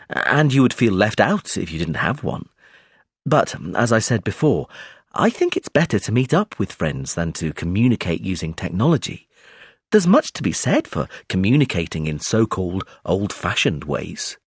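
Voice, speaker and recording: A young man from Brazil, a native Portuguese speaker, giving scripted sample exam answers in a lively, expressive way. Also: fairly low pitch, moderate pace, slightly rough, no room sound, studio quality. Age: young adult.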